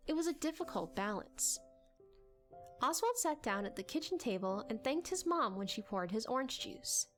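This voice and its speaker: High-pitched, animated woman narrator. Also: moderate pace, soft background music. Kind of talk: expressive dramatic audiobook narration.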